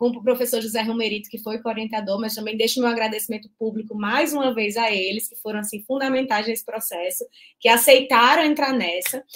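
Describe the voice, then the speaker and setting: Delivered at a fairly quick pace, the speech has fairly even intonation but big swings in loudness. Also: woman, fairly high pitch for a woman. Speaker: linguist and schoolteacher. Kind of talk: interview. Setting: podcast. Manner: fast.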